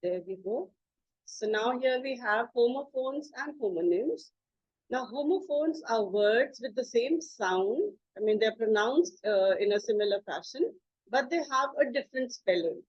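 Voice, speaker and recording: A woman's voice: a little high, lively intonation, unhurried, darkish tone, no echo. Woman teaching a slide lesson, dull mic. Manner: explanatory, spells out words, frequent filler uh. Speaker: English teacher.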